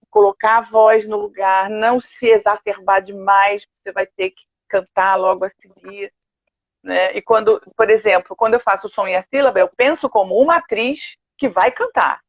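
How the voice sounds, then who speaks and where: An older woman with a Brazilian Portuguese accent, a singer telling stories with lively quoted asides in a casual interview. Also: medium pitch, normal speed, no echo. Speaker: guest, opera and musical theatre singer. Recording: dull, dry video-call audio.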